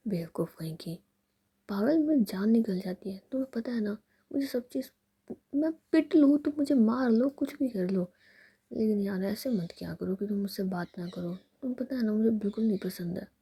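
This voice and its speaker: A woman's voice: medium pitch, animated, normal speed, dark tone, breathy edge. A woman voicing a playful, doting young woman in love, pleading and coaxing in a whispered role-play.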